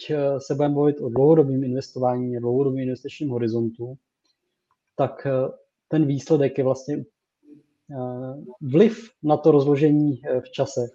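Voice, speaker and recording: A man, a financial adviser on a podcast, speaking in a measured way with fillers. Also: medium pitch, steady tone, dark tone, muffled recording. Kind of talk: casual podcast talk.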